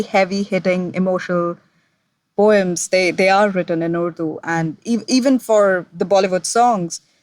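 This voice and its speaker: A woman with a Punjabi accent, medium pitch, fairly even intonation and a fairly slow pace. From India. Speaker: voice actor. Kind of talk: interview.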